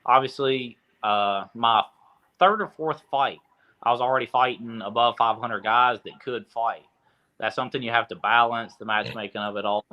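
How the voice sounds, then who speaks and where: A young man from Tennessee, a boxer, answering interview questions in a relaxed way with lots of fillers. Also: mid-range voice, moderate pace, highs cut off. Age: young adult. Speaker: boxer, guest.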